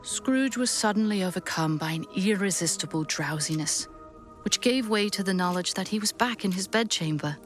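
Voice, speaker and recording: Casting: woman narrator for a radio play, deliberate, expressive, medium pitch, light musical bed. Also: soft background music. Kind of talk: scripted dramatic storytelling narration.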